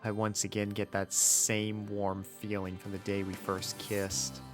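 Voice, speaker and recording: A man's voice: fairly low pitch, completely flat delivery, measured pace. Earnest male story reader over faint music. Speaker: fan fiction reader. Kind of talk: scripted first-person story narration.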